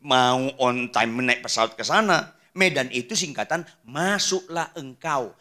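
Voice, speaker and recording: A man's voice: medium pitch, expressive, a little slow, pushed and bright. A male pastor preaching a sermon in a joking, teasing way, firing questions at the congregation. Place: church.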